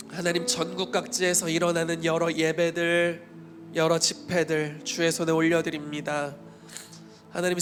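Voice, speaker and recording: Fervent high-voiced pastor praying over guitar. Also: male voice. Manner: loud impassioned praying, speaking in tongues. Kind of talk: fervent intercessory prayer. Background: guitar music.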